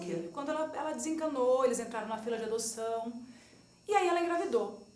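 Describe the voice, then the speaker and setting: A woman talks at a very fast pace in a high pitch with lively intonation. Room echo is audible. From São Paulo state interior (Ribeirão Preto region). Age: 30s. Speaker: journalist and radio broadcaster. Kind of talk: interview.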